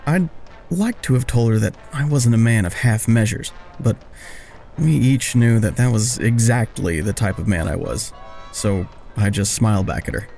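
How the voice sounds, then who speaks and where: An actor playing a wry, awkward man who narrates his own story in an audio drama with self-deprecating, deadpan, wordy humor. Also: on the low side, moderate pace, creaky, faint music behind. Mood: wry narrating. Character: wry, awkward smoker man narrating a reunion with old friend. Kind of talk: first-person scripted narration and dialogue in audio drama.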